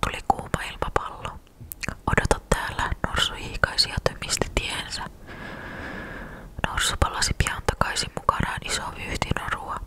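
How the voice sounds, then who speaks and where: Whispering in a calm tone, a woman speaks at a fairly slow pace with long, frequent pauses. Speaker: ASMR creator. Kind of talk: ASMR bedtime story reading. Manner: soft, calm. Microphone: studio mic.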